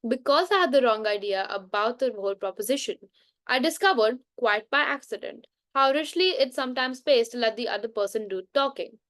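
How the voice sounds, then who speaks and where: Woman, slightly high voice, reading a book aloud, frequent self-corrections, dry close sound. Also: lively intonation, a little fast, fairly bright tone, dry recording. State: coughing now and then. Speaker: book reader. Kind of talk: unscripted bedtime book reading.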